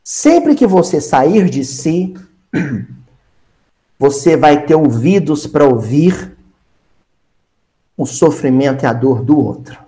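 A man with a Brazilian accent teaching a Spiritist gospel study, animated, acting out small scenes and repeating phrases for emphasis. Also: a little high, slow pace, pauses often. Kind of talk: spoken gospel study lesson.

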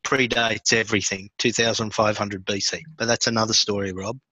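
An Australian man in his fifties tells his family's story at an easy pace, stopping often on fillers and restarts. His voice is bright and forward, recorded dry and close with no room sound around it. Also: lowish voice, fairly quick, dry recording, poor audio. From born in India, raised in Sydney, Australia. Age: 50s. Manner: relaxed, many fillers and restarts. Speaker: podcast guest. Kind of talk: conversational storytelling.

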